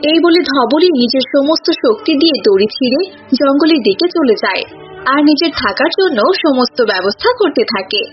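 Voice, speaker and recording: A woman reading scripted storybook narration for an animated animal tale. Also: sits high, brisk. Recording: muffled audio with music bed.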